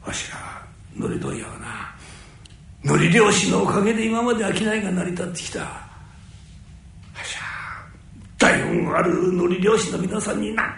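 Gruff old merchant, played by a man, rough downtown talk, lively swoops and gravel in a very echoey room. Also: sits high, normal speed, long pauses, a little hiss or hum, exaggerated voice. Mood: explaining. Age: older. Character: older male nori wholesaler, gruff but caring.

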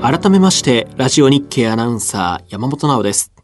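A man hosting a radio program as its announcer, reading a polite, measured script in a studio. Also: medium pitch, sing-song, music in the background. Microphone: studio microphone.

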